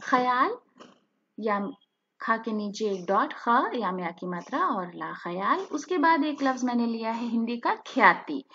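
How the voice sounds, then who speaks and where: Slow husky woman teaching spelling. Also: a little high, big pitch swings, a bit bright, dull audio. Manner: slow, careful letter-by-letter spelling. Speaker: language teacher. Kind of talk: spelling-out lesson narration.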